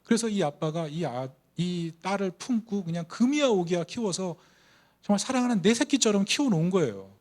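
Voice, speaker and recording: A man's voice: high voice, expressive, a little fast, a little mellow. A middle-aged man preaching a Sunday sermon, telling a story and building to fervent, emotional emphasis. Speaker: pastor.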